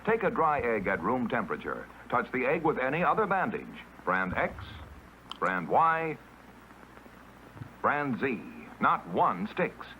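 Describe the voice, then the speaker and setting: A man announcing a 1950s TV commercial in an emphatic, punchy sales-pitch manner. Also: big pitch swings, measured pace, bright, forceful tone, a little hiss or hum, rough recording.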